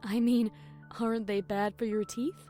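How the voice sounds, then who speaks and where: A woman playing a calm pony princess, measured, patient and gently wry, in an audio fan story. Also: a little high, faint music behind, close to an everyday voice. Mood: calm, skeptical.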